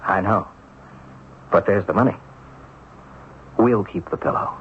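Low-voiced, earnest wronged man. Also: unhurried, muffled recording. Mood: matter-of-fact. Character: earnest, determined wronged man seeking to clear his name. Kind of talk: old-time radio drama acting. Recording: band-limited, faintly noisy radio recording.

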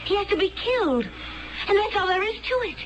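A woman's voice: very high-pitched, animated, a little fast. An actress playing a cold, impatient female assassin from another world in a 1970s radio drama, with a curt, resolute manner. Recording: muffled old radio broadcast with music.

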